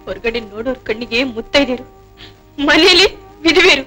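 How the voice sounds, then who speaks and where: A tearful young wife. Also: female voice, high-pitched, animated, fairly quick, bright, forceful tone, soft background music, full character voice, poor audio. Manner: tearful, emotional pleading. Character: grieving young wife, emotional and quick to tears. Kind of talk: 1970s film acting.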